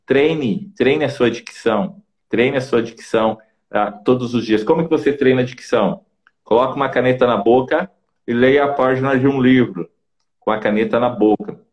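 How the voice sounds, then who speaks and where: A man's voice: mid-range voice, moderate pace, a little mellow. Didactic Brazilian man giving tips. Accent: Brazilian Portuguese. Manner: didactic, peppers speech with "tá?" and "né?". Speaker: communication coach guest. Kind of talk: casual advice talk in an online interview.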